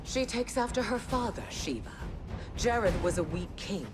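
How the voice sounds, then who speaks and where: A woman's voice: mid-range voice, animated, measured pace, lightly acted. An actress playing a cold, scheming queen who speaks with regal, scornful haughtiness. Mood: ruthless. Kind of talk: video game cutscene. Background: cinematic music.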